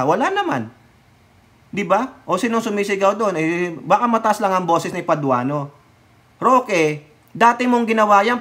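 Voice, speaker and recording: A man with a high voice delivers fired-up political commentary, jabbing at his subject with sarcasm and rhetorical questions. He's from the Philippines and turns often to address his viewers. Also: fairly bright tone.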